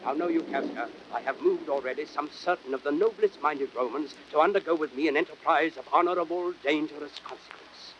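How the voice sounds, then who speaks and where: A man acts a bitter Roman nobleman with a fairly high voice. He is persuasive and impassioned, declaiming deliberately in old Shakespearean audiodrama manner, over light record noise. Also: highs cut off, lightly acted. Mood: urgent, persuasive. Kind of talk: classic Shakespearean radio acting, declamatory.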